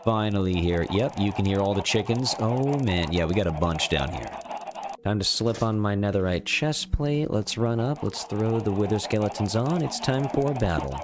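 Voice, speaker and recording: A man's voice: fairly low pitch, lively intonation, moderate pace. A man with a slight cold giving casual, chatty gameplay commentary as host of a gaming series, thinking aloud as he goes. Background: music.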